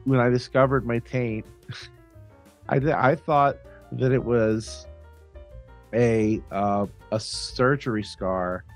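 A man's voice: mid-range voice, steady tone, slow, faint music behind. A man co-hosting a podcast in loose, casual chat, swearing freely and joking crudely. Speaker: podcast co-host.

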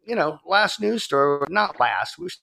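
A man's voice: on the high side, very animated, unhurried, creaky, bright, forceful tone, no room sound. A man hosting a casual live chat show, his audio choppy and cutting out with dropped words, talking loosely with fillers. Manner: loose, joking, sprinkled with fillers. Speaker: podcast host.

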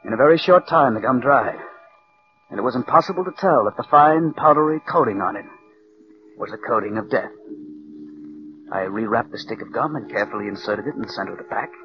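An actor playing a calm, scheming writer who narrates his own murder plot in a 1940s radio drama. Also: medium pitch, noisy background, natural voice. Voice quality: measured, cool narration. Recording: dull old radio broadcast recording.

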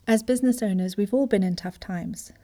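A woman's voice: medium pitch, a little fast, warm tone. A woman from Zimbabwe, a business coach, giving an earnest motivational talk that speaks straight to the listener. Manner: earnest, emphatic, direct address.

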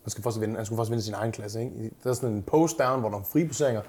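A man who coaches bodybuilders, talking casually in a podcast chat, telling lively stories with plenty of fillers and casual swearing. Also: lowish voice.

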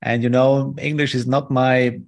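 German guy on a video call walking thru trading charts, friendly, lots of uh and um, middle pitch. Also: little pitch movement. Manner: friendly, halting non-native English with many fillers. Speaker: trading guest presenter. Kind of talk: live online trading webinar, walking through charts.

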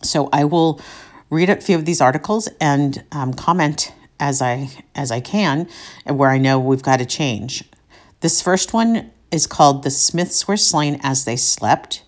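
A middle-aged woman with a very deep voice talks through her own podcast in a candid, reflective way. She speaks conversationally, as if chatting from home. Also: unhurried. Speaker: podcast host. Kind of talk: personal podcast monologue. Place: home in Sacramento.

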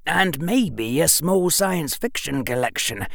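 A woman's voice: deep voice, expressive, slow, creaky, no echo, clean studio sound, pitched above the performer's own voice, exaggerated voice. A woman voicing a clever, eager eleven-year-old boy who argues in an earnest, wheedling way. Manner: earnest, wheedling, lawyerly reasoning.

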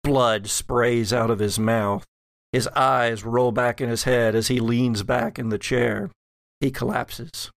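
Creaky-voiced male game master. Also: mid-range voice, steady tone, slow pace, no echo. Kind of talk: improvised narration of a horror tabletop game.

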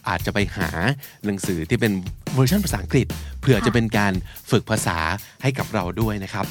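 Male podcast co-host, lower register, easygoing teaching chat. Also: fairly quick, music in the background. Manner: explains words in Thai, mixing in English terms. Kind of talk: casual explanatory chat.

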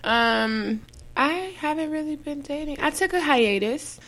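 A young woman co-hosting a podcast in casual chat, loose and profane and laughing often, her voice a little raspy after choking. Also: high voice, expressive, a little slow, a bit bright. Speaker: podcast co-host.

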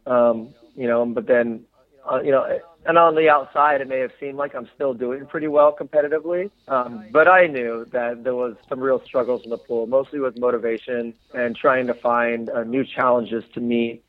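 A man from the United States talks things over in a reflective, halting way, full of pauses and restarts. His mid-range voice comes through a narrow, tinny phone-like line. The sound is dry, with no room around it. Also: medium pitch, fairly even intonation, no room sound. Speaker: interview guest, former Olympic swimmer. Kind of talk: casual interview conversation.

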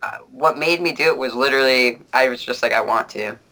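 A man's voice: mid-range voice, brisk, bright, forceful tone, rough recording. A young man speaking as a guest in a casual conversation, blunt and joking, with a fairly light voice.

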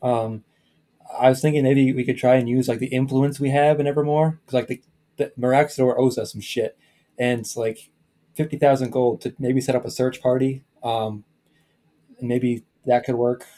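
A man's voice: medium pitch, steady tone, normal speed, warm tone. A man on a podcast, a tabletop player, talking through a list of ideas in a hesitant, casual way.

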